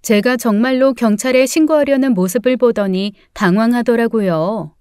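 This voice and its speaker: A woman narrating a first-person audiobook story in a steady, calm way. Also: on the high side, moderate pace, clean tone, no room sound, clean studio sound.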